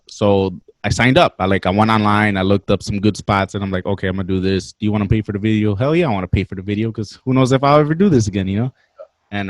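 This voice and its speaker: 20-something dude telling a story on a podcast, kinda low voice, lots of slang and cussing, dry close mic. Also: male voice, no echo. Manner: animated, slangy, swears freely. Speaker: podcast guest. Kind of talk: casual storytelling.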